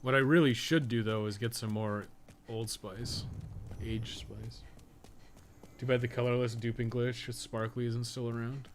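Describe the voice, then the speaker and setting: A man's voice: medium pitch, fairly even intonation, measured pace, slight background noise. A man giving casual live gameplay commentary, rambling and thinking aloud with casual swearing. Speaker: game streamer and podcast co-host.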